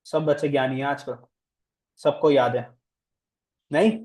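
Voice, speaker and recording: A man's voice: medium pitch, steady tone, unhurried, a little mellow. A man teaching commerce in a classroom, playful and teasing, quizzing his students with speech. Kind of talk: classroom lecture.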